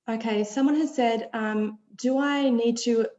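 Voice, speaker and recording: A woman's voice: on the high side, fairly even intonation, a little slow, dark tone, roomy sound, lo-fi sound. A woman hosting a webinar, upbeat, reading out audience questions and wrapping up. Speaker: webinar host.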